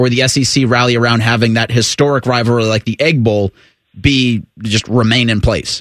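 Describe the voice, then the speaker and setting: With an unremarkable speaking voice, a man talks at a moderate pace and medium pitch, the sound dry and close with no echo. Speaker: radio host co-host. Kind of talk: sports talk radio chat.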